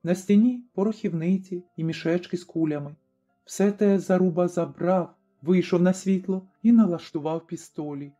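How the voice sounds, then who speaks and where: A male narrator reads a story in a measured, dramatic way, his voice fairly high yet mellow. The recording sounds a little dull, with faint music underneath. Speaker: audiobook narrator. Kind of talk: scripted narration.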